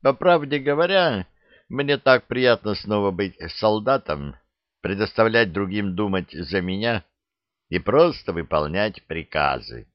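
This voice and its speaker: A man's voice: fairly low pitch, lively intonation, measured pace, no room sound, muffled recording. A man reading a wry old veteran soldier. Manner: dry, self-deprecating soldier's talk. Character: older male veteran soldier, wry and blunt. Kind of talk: audiobook character reading.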